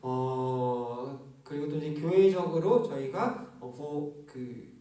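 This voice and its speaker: Man, 30s, youth pastor, talking through a face mask, relaxed halting sermon, very reverberant room. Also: on the high side. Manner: gentle, conversational preaching with frequent pauses. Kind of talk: livestreamed sermon. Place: large church department office, alone. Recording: very echoey room, mic at a distance.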